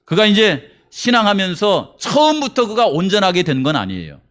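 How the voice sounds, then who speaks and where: Korean pastor telling a story in a sermon. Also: male voice, sits high, big pitch swings, moderate pace, fairly bright tone. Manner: storytelling with acted-out quotes and questions to the congregation.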